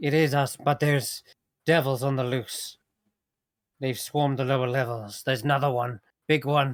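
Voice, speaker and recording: Using a put-on character voice, a man speaks at medium pitch and a moderate pace in a flat monotone, with long, frequent pauses. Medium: actual play.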